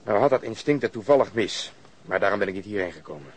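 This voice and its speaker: An actor playing a blunt, stubborn, sardonic police detective interrogating someone in a radio drama. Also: male voice, lowish voice, expressive, fast, breathy edge. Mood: accusing.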